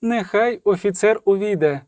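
A man's voice: high voice, lively intonation, brisk, warm tone, no echo, studio quality, voice pushed up. A man reading an audiobook, voicing a playful, mocking young sorceress with a bold, teasing manner.

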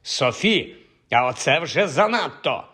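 A man's voice: on the high side, big pitch swings, a little slow, pushed and bright, full character voice. A man reading an audiobook, voicing a vain, sulky young male wizard who complains irritably. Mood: irritated. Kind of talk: audiobook character voice.

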